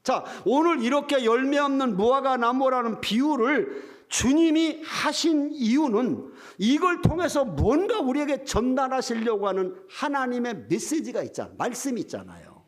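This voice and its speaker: Animated high-pitched older preacher. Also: male voice, normal speed. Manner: humorous storytelling, addresses the congregation directly. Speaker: retired pastor, guest revival preacher. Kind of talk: revival sermon. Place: church sanctuary.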